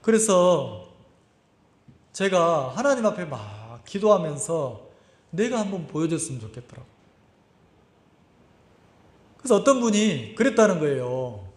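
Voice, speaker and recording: Lively high-voiced preaching man. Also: measured pace, long pauses. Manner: conversational preaching, acts out scenes, asks the congregation directly. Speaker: pastor. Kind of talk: sermon. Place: church sanctuary. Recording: echoey church sanctuary.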